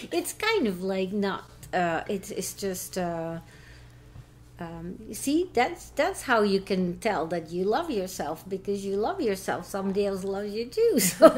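A woman's medium-pitched voice with a Dutch accent. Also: ordinary pitch variation, fairly slow pace. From Netherlands. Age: 60s. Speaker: guest, host's mother. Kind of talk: interview.

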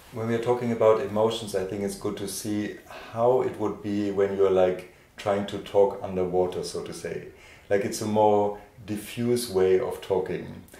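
A man speaks at a moderate pace with a fairly low pitch and flat, monotone intonation. Audible room echo surrounds his voice. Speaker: interview guest, movement teacher. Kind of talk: interview answer. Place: home room.

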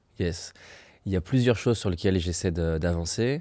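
At a moderate pace, a man with a very deep, low pitch and a dark, mellow tone speaks with ordinary pitch variation, in a dry sound with no echo and a quiet background. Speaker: podcast interviewer. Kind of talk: casual interview chat. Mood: calm, thoughtful. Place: studio. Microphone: studio mic.

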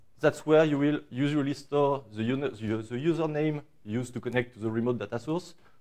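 This man talks at a fairly quick pace with a French accent and ordinary pitch variation. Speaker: database administrator. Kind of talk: conference talk. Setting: stage with audience.

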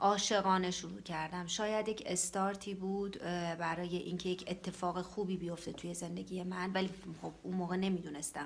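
A woman speaks in a monotone, flat intonation at a fairly quick pace over light background noise. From Iran. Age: 30s. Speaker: art teacher. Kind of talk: interview. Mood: calm, reflective. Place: home room. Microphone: phone near.

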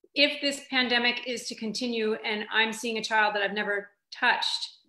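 A woman speaks fairly quickly with an American accent and a fairly high pitch. Her intonation stays fairly even, with audible room echo over a quiet background. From Vermont, US. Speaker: pediatric physician; guest. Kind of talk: interview. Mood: calm, thoughtful. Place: kitchen. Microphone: video call.

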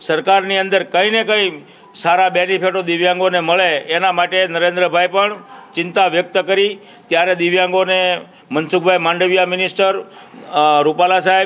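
Keeping his loudness very even, a man talks at a high pitch in a flat monotone. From Gujarat, India. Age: 50s. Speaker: politician, member of legislative assembly. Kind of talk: interview statement to news camera. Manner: halting. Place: hall.

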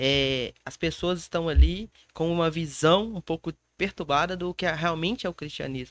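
A man speaks at a high pitch, with a dry sound and no echo. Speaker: podcast host. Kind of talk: casual interview. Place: studio. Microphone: studio mic.

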